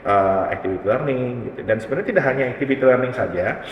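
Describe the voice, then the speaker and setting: A man's voice: mid-range voice, lively intonation, highs cut off, a little hiss or hum. Man explaining thoughtfully in a reverberant room. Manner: thoughtful, many pauses and fillers. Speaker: company CEO, interview guest. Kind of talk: explanatory casual chat. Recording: reverberant room, distant mic, faint ambience.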